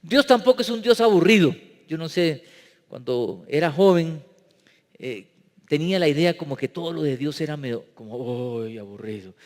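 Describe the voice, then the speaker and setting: A man's voice: on the high side, lively intonation, moderate pace. A man. He keeps a light, humorous tone and often asks the congregation rhetorical questions. His voice echoes with the long reverb of a church hall. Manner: humorous, mimics people in funny voices. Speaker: pastor. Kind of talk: sermon. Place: church sanctuary.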